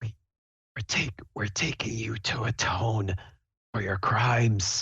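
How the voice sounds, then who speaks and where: In a put-on character voice, a man whispers quietly and raspily at a very slow pace. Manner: menacing.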